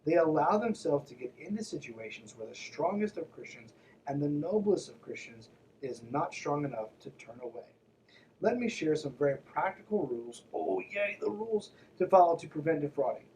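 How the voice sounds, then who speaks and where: A man's voice: fairly high pitch, lively intonation, normal speed, a little mellow, distant mic, slight background noise, low-quality recording. A man hosting a podcast, reading aloud and breaking in with mocking, irreverent, conversational asides. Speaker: podcast host.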